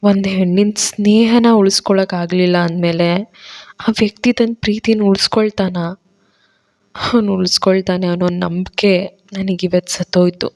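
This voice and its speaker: A woman's voice: medium pitch, fairly even intonation, a little slow, pauses often, darkish tone, close to an everyday voice. A woman voicing an earnest young woman who pleads tearfully with an older friend. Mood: pleading.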